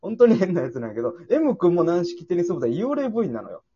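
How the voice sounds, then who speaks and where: Young Kansai man, comic storyteller, quick and lively, slightly high voice, lo-fi sound. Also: a crowd in the background. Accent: Kansai Japanese. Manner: animated storyteller, acts out quoted voices. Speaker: comedian podcast co-host. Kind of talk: casual storytelling chat. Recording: dull lo-fi audio.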